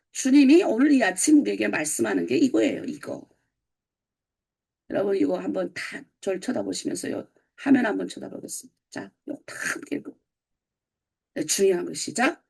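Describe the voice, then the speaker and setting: A middle-aged woman pastor from North Korea with a North Korean accent, giving a lively morning sermon and putting questions to her congregation. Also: mid-range voice, gravelly, breathy edge. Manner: lively, asks the congregation questions and answers them. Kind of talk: early-morning sermon lecture.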